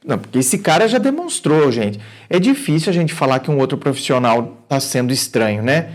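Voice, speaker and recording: A man's voice: medium pitch, very animated, brisk. A Brazilian man hosting an advice show, reading a viewer's letter aloud and reacting to it with exclamations and direct questions to his audience. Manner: incredulous, exclamatory, addresses the audience and the writer directly.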